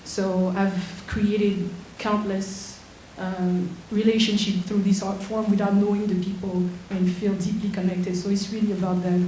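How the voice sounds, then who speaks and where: A woman's voice: medium pitch, mellow. Earnest Swiss woman in an echoey theater. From Switzerland. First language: not English. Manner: slow, earnest, pausing between phrases. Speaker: dancer and performer. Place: theater auditorium. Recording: echoey theater with faint noise.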